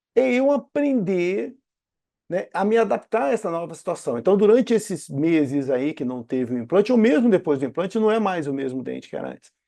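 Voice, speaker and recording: Over a quiet background, a man with a high, dark, mellow voice talks at a fairly quick pace, his pitch swinging very widely. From Brazil, São José dos Campos. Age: 60s. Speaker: study group mediator. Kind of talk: group study discussion. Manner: hesitant with repetitions.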